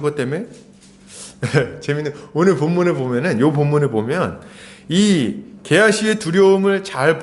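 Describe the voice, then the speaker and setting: Male pastor, high voice, lively storytelling sermon. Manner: animated storytelling with rhetorical questions.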